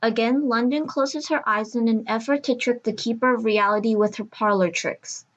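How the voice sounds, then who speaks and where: A woman's voice: a little high, normal speed, highs cut off. A woman reading scripted narration for an audio drama.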